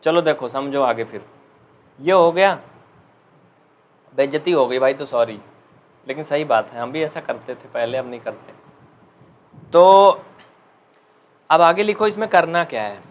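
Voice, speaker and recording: A young man with an Uttar Pradesh Hindi accent teaching maths in a live online class, chatting and joking, and dictating slowly. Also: a little high, animated, highs cut off.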